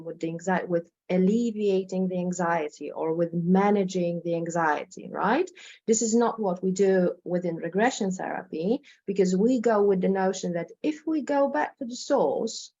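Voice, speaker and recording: A woman's voice: mid-range voice, normal speed, darkish tone, lo-fi sound. A woman from Poland with a Polish accent gives an informal presentation as a therapist, speaking hesitantly, repeating words and often checking in with the listener. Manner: hesitant, repeats words, tags sentences with "right?". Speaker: hypnotherapist presenting.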